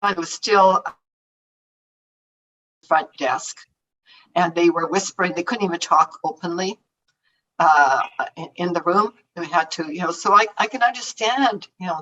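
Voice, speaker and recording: A woman's voice: fairly low pitch, a bit bright, slight background noise. A Canadian woman, an author, chatting casually about her life and books, often laughing and trailing off mid-thought. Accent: Canadian English. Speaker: author answering audience questions. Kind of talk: casual conversational answers. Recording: distant, dull lo-fi remote audio.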